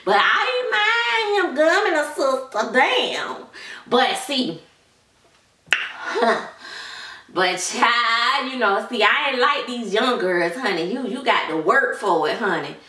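A woman plays a gossipy auntie watching the babies, rambling on and sprinkling child and honey into every line. Her voice is bright and forceful, caught from a distance in a roomy, echoing space. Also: on the high side, animated, slow, exaggerated voice. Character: gossipy middle-aged Southern auntie babysitter, sassy. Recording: roomy room, mic at a distance.

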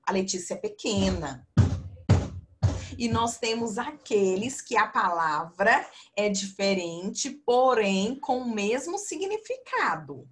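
Slow, lively woman teaching children. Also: medium pitch, a little hiss or hum. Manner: slow, sing-song teacher talk to children, calls herself auntie. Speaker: primary school teacher. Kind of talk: online class for young children. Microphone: computer mic on video call.

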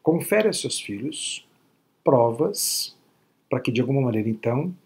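A man in his sixties from Brazil giving a spiritist lecture over a video call from home, teaching in a measured way and often checking that listeners follow along. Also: mid-range voice, very animated. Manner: teacherly, frequent tag questions. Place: home room at night. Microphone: laptop webcam video call.

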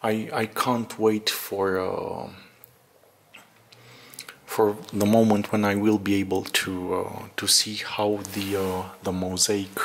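A man with a slightly low voice talks through a casual, unscripted vlog. His delivery is very slow and halting, and he often searches for the next word as he narrates from behind the camera. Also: little pitch movement, slight background noise. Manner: hesitant, halting, searching for words. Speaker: vlogger showing an apartment renovation. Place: indoors in an empty apartment under renovation.

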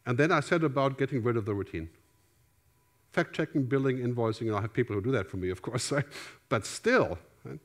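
This conference keynote comes from a middle-aged man with a German accent, wearing a headset mic on a large theater stage. His mid-range voice is animated and a bit quick. He talks conversationally, with sweeping gestures and a habitual "right?".

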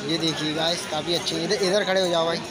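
A man, vlogging at an outdoor livestock market and quizzing sellers on their prices in a brisk, chatty way. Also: fairly high pitch, steady tone. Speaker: vlogger interviewing goat sellers. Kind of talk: casual on-the-spot questioning and commentary. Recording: loud market crowd behind.

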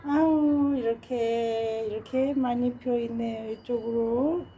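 A woman strolls through her balcony garden, naming each geranium slowly and sighing over how pretty they are. Her voice sits a little high but sounds mellow, and she talks at a very unhurried pace. A faint hiss of background noise runs under the phone recording. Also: steady tone, lo-fi sound. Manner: slow, fond, repeats flower names and sighs of delight. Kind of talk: casual garden tour narration. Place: home balcony with plants.

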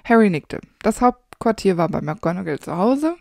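Woman reading fan fiction, soft whispers. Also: medium pitch, very animated, normal speed, gravelly, no echo, studio quality. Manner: dialogue read with shifts into soft whispers. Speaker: podcast co-host reading fan fiction aloud.

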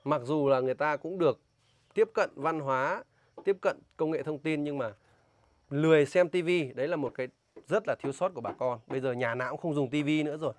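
A man's voice: fairly high pitch, brisk. A man with a northern Vietnamese accent vlogging outdoors, talking emphatically and indignantly as he warns about a scam and questions a local. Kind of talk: casual outdoor vlog talk, interviewing a local.

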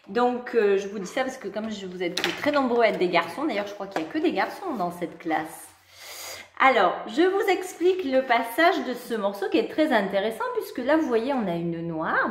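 A woman teaches music theory to small children in a slightly high voice, talking slowly and patiently as she counts beats and sings note names. The room around her is echoey. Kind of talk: online music lesson for kids.

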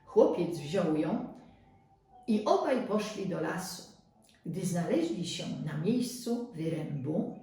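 A woman reading a fairy tale aloud as storyteller, expressive and unhurried, heard in a very echoey room from some distance. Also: mid-range voice.

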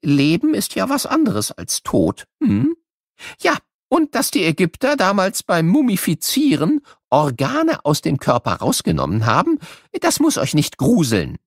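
An actor playing an excitable, playful elderly cartoon scientist who stumbles over words as he teaches children in an educational audio drama. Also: high-pitched, a little slow, no echo, clean studio sound, heavily acted. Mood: playful explaining.

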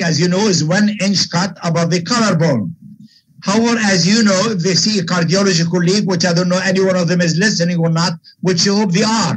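An older man with an Arab American accent and a husky voice, answering webinar questions as a guest lecturer in an emphatic, opinionated manner. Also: high-pitched, rough recording. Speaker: guest lecturer, vascular surgeon.

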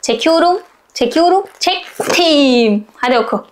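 A high-voiced woman teacher takes a first-grade reading lesson at a very slow pace. She patiently splits words into syllables and repeats each sound many times. She speaks gently and straight to the child to coax them along. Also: expressive, slight background noise. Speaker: primary school teacher.

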